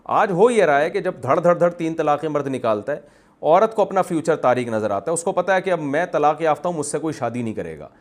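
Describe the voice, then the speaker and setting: A man's voice: on the high side, expressive. A man, a mufti, answering a question in a religious Q&A session, arguing his point with repeated examples and conversational asides. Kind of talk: religious Q&A talk.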